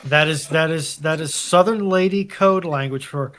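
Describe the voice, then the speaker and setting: A man's voice: a little high, moderate pace, a bit bright. A man in casual banter as a live stream panelist, with a wry, joking way of talking.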